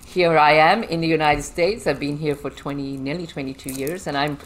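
The audio is poor, but the voice comes through: a woman from Zimbabwe with a Zimbabwean accent, sitting low in pitch at normal speed. She's an interview guest in a casual chat, lively, chatty and quick to laugh.

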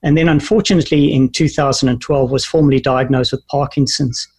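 Husky South African man in his fifties. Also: medium pitch, steady tone, darkish tone. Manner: earnest, measured, frequent restarts. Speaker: guest. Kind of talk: interview conversation.

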